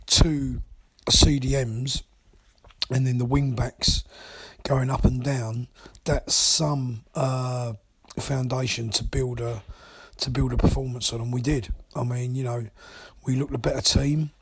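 Husky man leaving a voice message. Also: mid-range voice, level tone, slow. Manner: enthusiastic, thoughtful, with frequent ums. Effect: recorded voice message. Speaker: caller. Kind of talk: casual fan phone-in.

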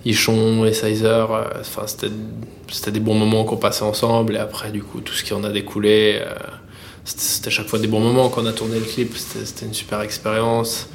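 Gravelly, halting French-speaking man. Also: on the low side, completely flat delivery, slight background noise. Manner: halting, many fillers and restarts. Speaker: musician guest. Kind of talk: interview answers.

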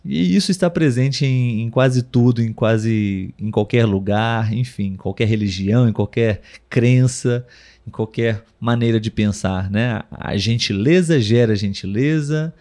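A man with a Brazilian Portuguese accent hosting a live podcast conversation, talking slowly and thoughtfully with many pauses and fillers. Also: medium pitch, darkish tone. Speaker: podcast host.

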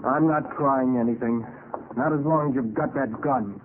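A man's voice: medium pitch, moderate pace, phone-quality sound, lightly acted. An actor playing a plucky, naive young man with boyish, protesting delivery in a 1940s radio crime drama. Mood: tense, bitter. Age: young adult. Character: plucky, naive young male army veteran used as bait. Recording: scratchy, thin 1940s radio recording.

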